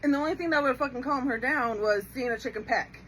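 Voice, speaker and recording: A woman's voice: sits high, fast, a bit bright, a little hiss or hum, rough recording. A woman guest telling stories in casual chat, blunt and swearing freely. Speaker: guest co-worker.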